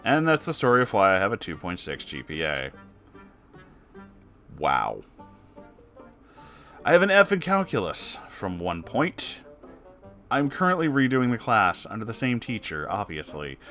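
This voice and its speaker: A man reading submitted stories aloud in a casual way, breaking in with animated, sarcastic and often sweary commentary. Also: lowish voice, measured pace, long pauses. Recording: music behind the voice. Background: music.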